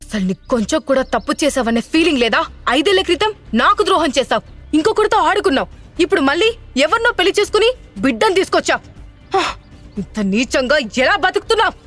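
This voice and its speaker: A woman's voice: a little high, a little fast, pauses often, soft background music, close to an everyday voice. A woman doing a bitter, accusing young man. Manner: loud, accusing.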